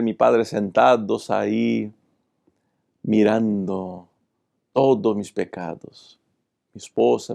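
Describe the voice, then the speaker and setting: Gravelly-voiced male pastor telling stories. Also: fairly low pitch, dark tone. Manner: confessional, direct address to viewers. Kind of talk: Bible lesson with personal storytelling.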